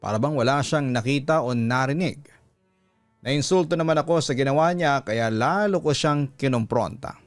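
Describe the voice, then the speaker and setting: Filipino man narrating drama over soft music. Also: mid-range voice, normal speed, dry recording. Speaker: radio storyteller and host reading a listener's letter. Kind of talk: dramatic scripted narration of a love story. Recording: music bed behind close dry voice. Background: background music.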